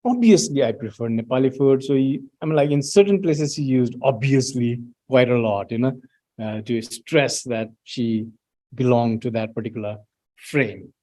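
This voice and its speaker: Give me a middle-aged man giving an academic presentation, hesitant, with a warm, mellow voice. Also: mid-range voice, moderate pace. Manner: hesitant, many fillers and restarts, reads out student quotes.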